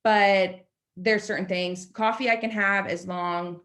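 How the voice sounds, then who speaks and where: A woman in her late twenties, a podcast guest, telling a story in a chatty, animated way and filling her speech with "like.". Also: medium pitch, unhurried. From United States. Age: 20s. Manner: chatty, animated, lots of "like" fillers. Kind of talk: casual storytelling.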